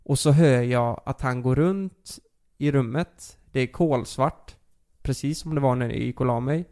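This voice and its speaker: A man's voice: mid-range voice, a little mellow. A young man telling a personal story in a casual chat, rambling with lots of fillers and restarts.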